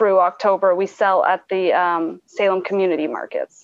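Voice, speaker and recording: A woman's unremarkable speaking voice at a moderate pace, with fairly even intonation. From Canada. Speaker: dairy farmer. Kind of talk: interview.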